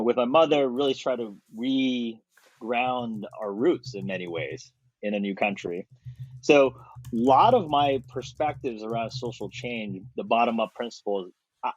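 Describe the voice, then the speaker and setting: A man in his thirties from South Korea, a podcast guest talking thoughtfully and with energy, pausing on fillers. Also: medium pitch, dry recording. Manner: thoughtful, animated, with frequent fillers and laughs. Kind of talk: conversational interview. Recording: dry, slightly dull podcast audio.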